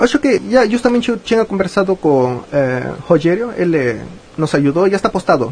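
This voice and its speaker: A man with a strong Spanish accent speaks at a fairly quick pace in a high voice with very wide pitch swings, yet keeps his loudness very even. Long, frequent pauses break up his speech, and background noise is noticeable. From Peru, Lima. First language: Spanish (speaking Portuguese). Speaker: physics professor. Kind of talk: radio interview.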